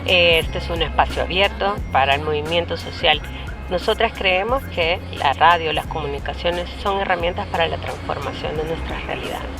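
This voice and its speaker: A woman with a Salvadoran accent presenting on a feminist radio station in a clear announcer style. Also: sits low, normal speed, music in the background. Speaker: radio host.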